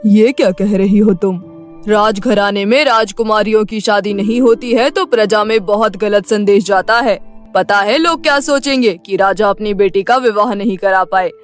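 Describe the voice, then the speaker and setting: A woman's voice: medium pitch, moderate pace, lightly acted. A woman voicing a stern, middle-aged king in a cartoon story, with an admonishing manner. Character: stern middle-aged king worried about public opinion. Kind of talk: Hindi cartoon story dubbing. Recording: music bed behind the voice.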